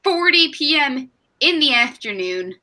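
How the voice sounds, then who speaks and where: A woman's voice: sits high, sing-song, a little slow, bright, forceful tone. A woman in her twenties hosting a casual live stream, rambling and laughing at herself. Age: 20s. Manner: giggly, rambling, self-mocking. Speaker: stream host.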